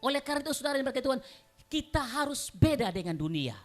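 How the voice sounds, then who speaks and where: A woman pastor preaching a sermon, emphatic and repetitive, swinging between soft and loud passages. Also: high voice, big pitch swings, fast, faint music behind. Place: church.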